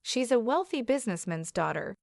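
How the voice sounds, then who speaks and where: A woman's voice: a little high, big pitch swings, fairly quick, creaky, dry recording, clean studio sound. A woman reading as a sneering, gloating ex-husband. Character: smug boastful young ex-husband.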